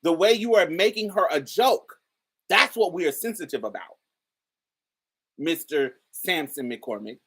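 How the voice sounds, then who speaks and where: Woman with a really deep voice, chatty emphatic commentary straight to her viewers. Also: expressive, a little slow, pauses often, slightly rough. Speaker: host. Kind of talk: casual commentary to camera.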